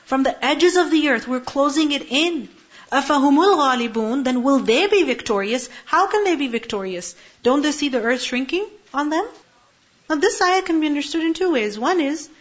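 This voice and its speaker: A woman teaching a Quran lesson to a class, explaining Arabic words one by one and posing rhetorical questions to her students. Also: sits high. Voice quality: asks rhetorical questions, translates Arabic word by word. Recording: muffled lo-fi recording.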